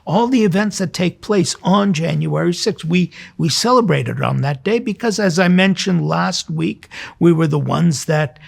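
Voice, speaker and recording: A man's voice: fairly high pitch, expressive, moderate pace, gravelly, few pauses. A man speaking as a priest and programme host, giving an informal sermon in a conversational way with direct questions to his listeners. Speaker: priest hosting a weekly devotional programme. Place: recorded in a cathedral choir loft.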